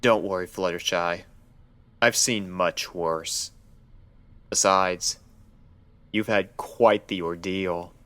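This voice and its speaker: Man voicing a deep, calm stallion doctor. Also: no echo. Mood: calm, reassuring. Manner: measured, soothing, polite. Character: calm, reassuring male pony doctor, clinical and controlled.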